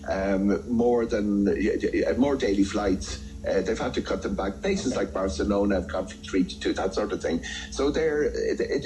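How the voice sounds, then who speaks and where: Low, mellow, halting Irish man. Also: rough recording. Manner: halting, stop-start delivery with repeated words. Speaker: travel editor, studio pundit. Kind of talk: unscripted expert commentary in radio interview.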